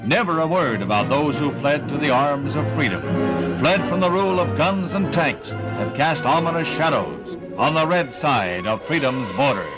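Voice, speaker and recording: A man gives an old newsreel narration in a slightly raised voice, delivered with emphatic, dramatic weight. Loud newsreel music plays right under him throughout the voice-over. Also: fairly high pitch, lively intonation, moderate pace, rough recording.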